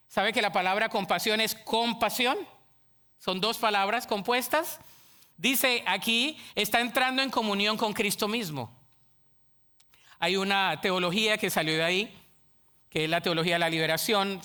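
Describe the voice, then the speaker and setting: Emphatic male pastor, high ringing voice, preaches with loud bursts and questions to the room. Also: smooth. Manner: animated and emphatic, calls out to the congregation; admits to being a shouter. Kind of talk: sermon. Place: church sanctuary.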